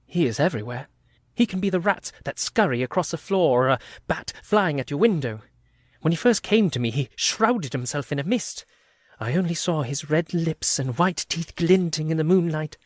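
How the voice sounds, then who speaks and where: A man's voice: fairly high pitch, animated, normal speed, dry recording, clean studio sound. Man playing jittery madman Renfield. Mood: haunted. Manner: rambling, jittery, swings from mutters to cries. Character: Renfield, a guilt-ridden madman asylum inmate. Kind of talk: community radio play acting.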